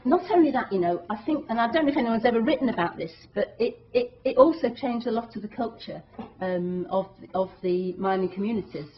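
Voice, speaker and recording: A woman's voice: on the high side, a little fast. A woman activist giving a public talk to an audience, speaking earnestly and emphatically, with many restarts. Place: meeting hall. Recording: dull lo-fi talk recording.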